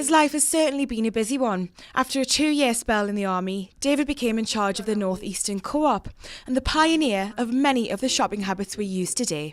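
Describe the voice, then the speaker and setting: A woman's plain, everyday voice, fairly high in pitch, with lively intonation and a fairly quick pace. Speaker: TV presenter or reporter. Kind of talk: TV news bulletin narration.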